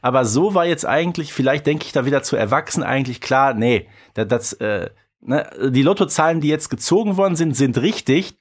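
A man's voice: medium pitch, animated, fairly quick, husky. A man co-hosting a podcast in casual chat, rambling and colloquial, often seeking agreement. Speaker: podcast co-host. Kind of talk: casual chat about audio drama episodes.

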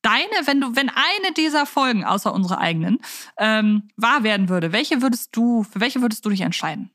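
A woman's voice: on the high side, animated, normal speed, fairly bright tone, no room sound, studio quality. A woman hosting a podcast, talking casually and reading aloud in a conversational presenter's way. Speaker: podcast host.

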